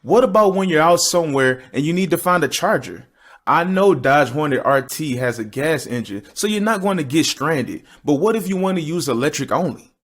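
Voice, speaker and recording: A man plays a skeptical fellow with a somewhat high voice. He is inquisitive and challenging, talking conversationally in a scripted promotional dialogue. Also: lively intonation, normal speed. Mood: skeptical, curious. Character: skeptical, inquisitive man quizzing his cousin about cars.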